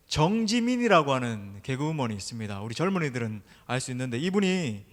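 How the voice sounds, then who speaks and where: A middle-aged man preaches with emphasis, turning again and again to address the congregation directly. His voice sits a little high for a man. The sound rings with the long reverb of a large church sanctuary. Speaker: senior pastor. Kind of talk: sermon. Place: church sanctuary during an evening service.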